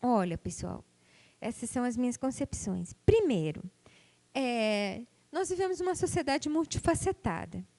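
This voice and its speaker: A woman's voice: fairly high pitch, animated, moderate pace, mellow. A middle-aged woman from Brazil, a university professor giving a conversational conference lecture with rhetorical and tag questions.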